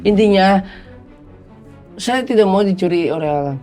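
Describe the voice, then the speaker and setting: A man's voice: high-pitched, expressive, moderate pace, a little mellow, faint music behind. A man in a comic debate, protesting in a mock-serious, insistent, repetitive way. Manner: protesting, insistent, repeats himself. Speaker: comic panel guest playing a flood victim.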